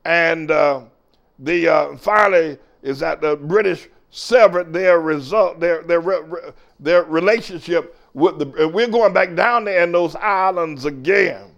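High-pitched older American preacher, declaiming. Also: male voice, unhurried, vocal fry, highs cut off. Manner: emphatic, declamatory, swinging from shouts to muttered asides. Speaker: preacher and show host. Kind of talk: fiery political sermon.

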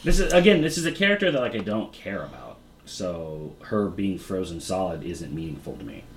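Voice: low-pitched, very animated, fairly quick, a little hiss or hum. A podcast co-host in casual chat recapping a TV episode, opinionated and blunt, arguing points.

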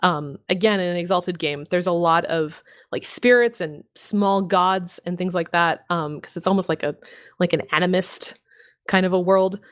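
A woman's voice: fairly low pitch, normal speed. A woman co-hosting a podcast in casual chat, swearing freely and telling stories with lots of laughter. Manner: laughing, swearing, animated storytelling. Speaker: podcast co-host.

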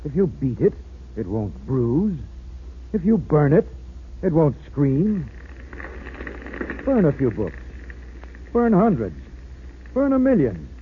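A man's voice: a little high, huge pitch swings, slow pace, pauses often, phone-quality sound, a little hiss or hum, full character voice. An actor playing a grave, impassioned male narrator in a 1940s radio drama, solemn and declamatory, on an old recording. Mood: bitter, urgent. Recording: old 1940s radio recording, band-limited, music behind.

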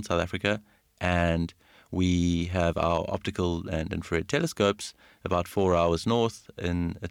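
A man co-hosting an astronomy podcast, relaxed and chatty, laughing often at himself. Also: sits low, creaky, no echo, clean studio sound. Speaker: podcast co-host, science engagement astronomer. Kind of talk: casual chat.

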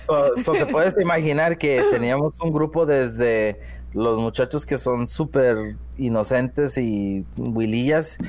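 A former youth leader as a podcast guest, a man at an everyday pitch. He talks haltingly, stops to search for words and slips in English terms. His manner stays casual. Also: a little mellow.

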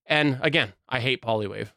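Smooth-voiced man co-hosting a tech podcast. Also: medium pitch, fairly quick, dry recording, studio quality. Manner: relaxed, laughs often. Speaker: podcast co-host. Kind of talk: casual tech chat.

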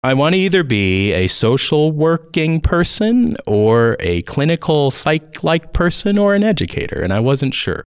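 A man's voice: on the high side, big pitch swings, moderate pace, few pauses, clean tone, no echo, clean studio sound. A man in his forties with a Southern Californian accent, a guest on an interview podcast, talking in an eager, rambling way with many fillers. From United States. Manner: enthusiastic, rambling with fillers and laughs. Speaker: guest educator.

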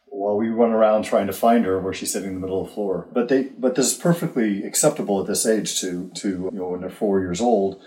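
Older man with a mellow, roomy voice. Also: on the low side, fast talker, few pauses. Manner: acts out his own yelling in retold scenes. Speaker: youth fitness coach. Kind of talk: casual storytelling on a podcast. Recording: roomy echo.

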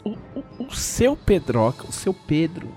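A man's voice: high voice, sing-song, unhurried, dark tone, soft background music. A Brazilian man hosting a casual podcast chat, joking and swearing freely with lots of fillers. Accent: Brazilian Portuguese. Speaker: podcast host.

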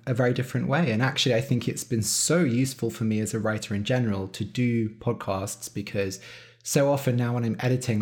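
A man with a mid-range voice hosts a relaxed podcast conversation. He talks in a chatty, easygoing way and fills his sentences with "like" and "you know.". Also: medium pitch. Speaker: podcast host and interviewer. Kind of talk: casual interview talk.

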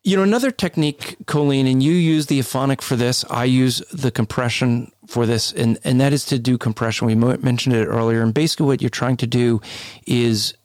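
A man with a deep, booming voice co-hosting a podcast, explaining things in a casual, conversational way. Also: a little fast, a little mellow, dry recording. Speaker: podcast co-host.

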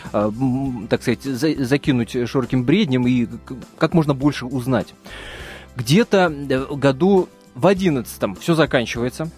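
A man of medium pitch hosts an evening radio talk show. He questions his guest in a chatty, joking way, padding his lines with fillers. Faint music sits low behind the studio voices. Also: a little mellow. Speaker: radio host. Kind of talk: radio interview.

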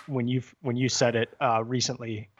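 A man's voice: mid-range voice, little pitch movement, moderate pace, muffled recording. A man hosting a podcast discussion, talking casually and hesitantly, often correcting himself. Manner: hesitant, self-correcting, conversational. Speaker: podcast host.

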